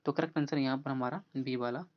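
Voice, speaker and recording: Exam prep teacher going through quiz answers, middle pitch, reads questions slow then rambles, kinda muffled lo-fi audio. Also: fairly even intonation. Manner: reads English quiz questions slowly, then explains casually with many fillers; repeats "okay friend" and the answer option often. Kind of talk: online exam-prep lesson.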